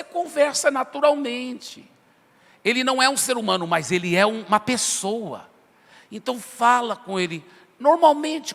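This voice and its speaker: Male pastor, high bright voice, conversational sermon, church hall echo. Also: creaky. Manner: conversational preaching, acts out prayers and dialogues. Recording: long hall reverb.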